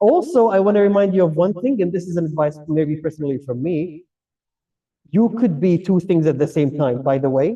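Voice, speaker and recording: The voice has a dark, mellow tone and a Kuwaiti accent, moving at a moderate pace with ordinary pitch variation. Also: man. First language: Arabic. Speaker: general evaluator at a public speaking club meeting. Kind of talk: meeting evaluation feedback. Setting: hybrid club meeting.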